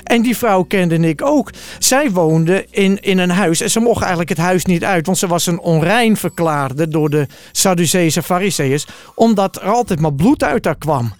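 Earnest high-voiced male storyteller. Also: animated, normal speed. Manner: vivid, earnest eyewitness telling. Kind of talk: first-person dramatic Bible storytelling.

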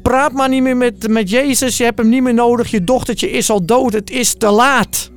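A man's voice: extremely high pitch, fairly even intonation, normal speed, voice pushed up. A man voicing male messengers who deliver bad news in a raised, pressing way. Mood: urgent.

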